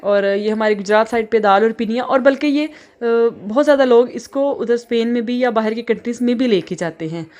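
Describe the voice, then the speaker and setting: Casting note: young Pakistani woman with a Pakistani Urdu accent, casual vlogger, talks easily and pauses often with fillers. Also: fairly high pitch, a little mellow. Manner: chatty, many filler pauses. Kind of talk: casual home vlog.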